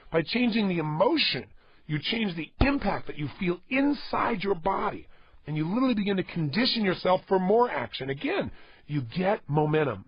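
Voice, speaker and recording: A man delivers an exhorting motivational talk and drives each point home by repeating it. His voice sits high and sounds husky. The sound is dry and dull, like an old audio tape. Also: no room sound. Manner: emphatic, repetitive and exhorting. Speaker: motivational speaker. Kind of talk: motivational talk to a studio audience.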